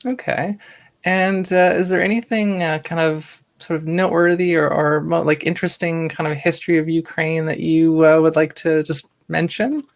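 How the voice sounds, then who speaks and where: A woman's voice: low-pitched, fairly even intonation, moderate pace. A woman hosting a podcast interview, talking casually and rambling a bit, with lots of fillers and restarts. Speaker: podcast host. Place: Toronto, Canada.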